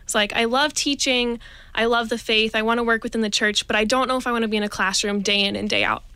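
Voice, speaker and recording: Young college girl telling her story, lively, bright voice, kinda high. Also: quick pace, clean tone, no echo. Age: young adult. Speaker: college student guest. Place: radio studio.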